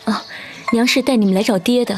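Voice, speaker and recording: A woman's voice: on the high side, quick pace, darkish tone, a little hiss or hum, lightly acted. An actress playing a desperate young mother who pleads tearfully, in a period drama. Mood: gentle. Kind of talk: Mandarin period drama dialogue.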